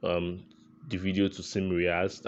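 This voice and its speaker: A man speaks at a moderate pace with a strong Nigerian accent. His pitch is very deep and low. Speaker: cybersecurity YouTuber. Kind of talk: unscripted talk to camera. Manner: careful enunciation.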